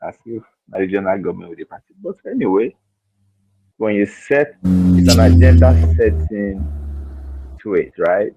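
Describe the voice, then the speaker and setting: Low-voiced man in a muffled clip. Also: warm tone, no room sound. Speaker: political commentator. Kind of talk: political commentary.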